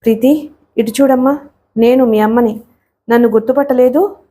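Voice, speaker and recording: A woman's voice: a little high, steady tone, moderate pace, warm tone, close to an everyday voice. A woman voicing an anxious middle-aged mother who pleads tearfully in a storybook reading. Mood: pleading.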